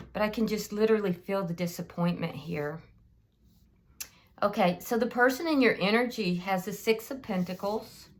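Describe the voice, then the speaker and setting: A woman gives a casual tarot reading at a slow, unhurried pace. Her voice is slightly hoarse from a cold, and she thinks aloud with frequent ums and restarts. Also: mid-range voice. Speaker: tarot reader.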